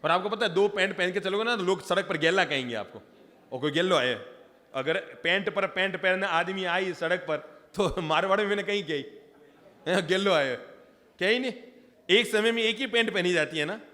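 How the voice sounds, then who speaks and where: A man's voice: sits high, a little fast, pushed and bright. A Jain monk from Rajasthan preaching, joking with and questioning his audience. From Rajasthan, India. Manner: humorous, engages audience directly. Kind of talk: sermon. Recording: long hall reverb.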